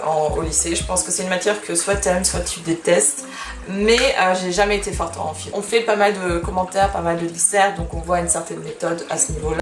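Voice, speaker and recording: A woman in her early twenties, not a native French speaker, giving casual, informal advice to camera with emphatic repetitions. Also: fairly low pitch. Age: early 20s. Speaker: student vlogger giving study advice. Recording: echoey room.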